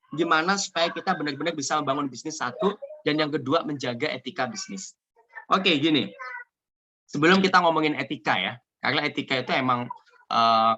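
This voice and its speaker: A man from Indonesia giving an energetic, joking motivational business talk over a video call. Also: medium pitch, a little hiss or hum. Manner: energetic, joking, repeats "ya" often. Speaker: seminar speaker.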